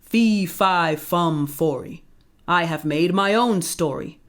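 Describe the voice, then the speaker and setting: A big bullying giant booms out his threats as a woman reads him aloud. He sounds a little distant from the mic and lower than the bright characters around him. It is a storybook giant, blunt and menacing. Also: takes it slowly.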